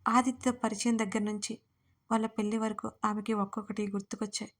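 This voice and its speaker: Steady woman storyteller, even tone. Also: medium pitch, a little fast. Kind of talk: scripted audio story narration.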